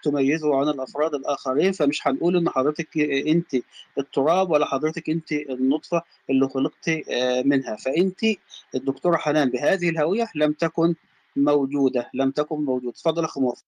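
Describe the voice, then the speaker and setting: A man's voice: fairly high pitch, fairly even intonation, fast talker, darkish tone, no room sound. A man with an Egyptian accent explaining his argument in a debate, mixing in formal Arabic.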